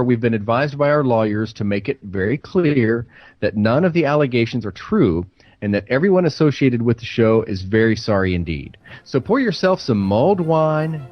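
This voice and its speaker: A man co-hosting a comedy show, reading a scripted mock-serious introduction with a deadpan delivery. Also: medium pitch, dry recording. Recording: dull, dry close sound.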